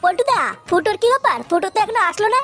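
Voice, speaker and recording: An extremely high-pitched young village lad from a comedy cartoon. He is brash and boastful and rattles out slangy, foul-mouthed lines at speed. Music plays underneath. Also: lively intonation, racing, a bit bright. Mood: matter-of-fact.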